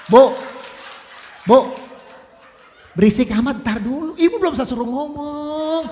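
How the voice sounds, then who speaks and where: Lively, teasing preacher man in an echoing hall. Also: extremely high pitch, a little slow. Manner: playful, teasing, slangy, often laughing. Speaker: pastor. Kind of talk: lively, joking sermon with congregation banter. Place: large church hall. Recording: church hall with long reverb.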